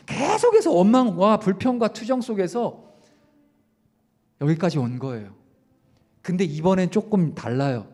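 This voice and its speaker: A young man, a youth pastor, preaching a sermon at a youth service. He puts questions straight to his listeners and swings between raised emphasis and quiet asides. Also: high voice. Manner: addresses listeners directly with questions. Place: church service.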